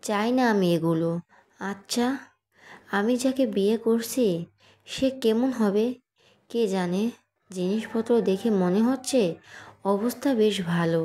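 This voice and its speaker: A woman's voice: mid-range voice, measured pace, pauses often, warm tone, natural voice. A woman voicing a feisty, mischievous young bride who is stubborn and cheeky, in an audio story reading. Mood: scheming. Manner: sulky and cheeky.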